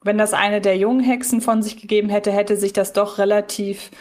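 Female podcast co-host, medium-pitched, casual review chat, wordy and reflective with digressions. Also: little pitch movement, a little fast, a little mellow.

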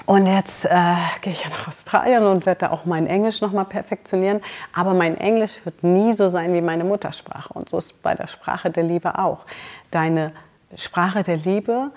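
A woman's voice: on the low side, moderate pace, a little mellow. A German woman hosting a podcast, coaching the listener in an encouraging, direct way. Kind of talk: motivational podcast talk.

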